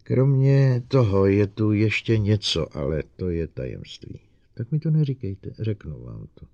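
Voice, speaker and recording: A man's voice: lowish voice, big pitch swings, creaky, dark tone, dry recording, lo-fi sound, exaggerated voice. A man voicing a friendly, somewhat shy young male engineer who talks eagerly and confides. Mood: chatty.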